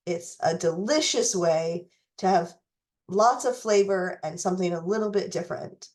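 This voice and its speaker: A woman hosting a recipe tutorial who is losing her voice and fighting a cough, talking in a deliberate way with some fillers. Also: mid-range voice, darkish tone. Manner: slow, deliberate, with fillers and restarts. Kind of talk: reading a letter, then walking through recipes.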